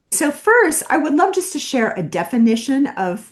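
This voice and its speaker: Over a quiet background, a woman speaks at a fairly slow pace in a somewhat breathy voice with very wide pitch swings. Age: 50s. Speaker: life and health coach. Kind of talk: podcast interview.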